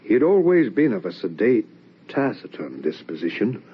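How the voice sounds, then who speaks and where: An actor playing an anguished, probing young son in an old-time radio drama, with earnest, theatrical, questioning delivery. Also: male voice, fairly low pitch, sing-song, normal speed, slightly rough. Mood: somber, brooding. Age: young adult. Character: anguished, probing young adult son narrating a ghost tale. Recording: dull, lo-fi old radio recording.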